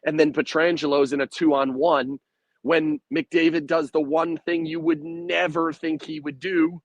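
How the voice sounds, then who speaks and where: A man hosting a postgame hockey livestream, speaking bluntly and with frustration in a hoarse, raspy voice that is recovering from laryngitis. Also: a little high, dry recording. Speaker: hockey podcast host. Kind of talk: postgame sports commentary.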